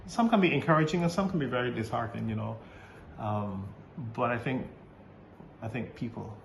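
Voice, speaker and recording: A man in his fifties, a Catholic priest, answering interview questions in a halting way with many restarts and easy laughs. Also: medium pitch, vocal fry. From Barbados. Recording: roomy recording with faint background noise.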